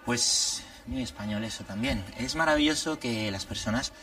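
A man, a priest and guest, explaining religious matters in an unhurried, reflective way and laying out his points one by one. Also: fairly low pitch, sharp tone, recorded from a distance, faint music behind. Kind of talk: conversational religious commentary.

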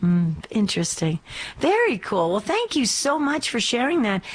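A woman's voice: a little high, very animated, normal speed. Chatty woman hosting a call-in show. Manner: chatty, warm-spoken with frequent restarts. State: slightly scratchy voice. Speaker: radio talk show host. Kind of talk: call-in radio chat.

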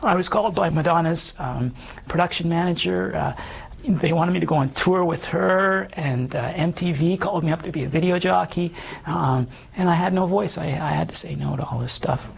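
A man around fifty with a hoarse, damaged voice, earnestly telling his life story as an interview guest, halting and full of restarts. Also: fairly high pitch. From Canada. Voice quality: hoarse, gravelly voice. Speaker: guest sharing his testimony. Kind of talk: personal testimony in conversation.

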